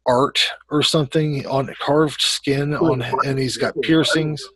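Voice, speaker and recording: A man's voice: on the high side, fairly even intonation, takes it slowly, crowd noise, low-quality recording. A man in his thirties co-hosting a horror podcast, giving blunt opinions and a score, over a desk mic on a video call from home. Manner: blunt, opinionated, trailing off quietly. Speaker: podcast co-host. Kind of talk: casual film review chat. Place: home room.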